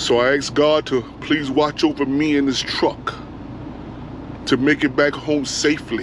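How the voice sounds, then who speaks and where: A man speaks at a fairly slow pace. The sound is dry with no echo, though noticeable background noise comes through. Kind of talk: casual vlog chat. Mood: calm, prayerful. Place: car. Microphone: phone near.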